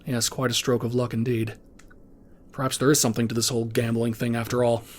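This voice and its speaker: A man's voice: medium pitch, little pitch movement, brisk, close to an everyday voice. A man acting a smug, scheming loan shark villain in an audio drama, with a gloating, formal manner. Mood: smug, menacing.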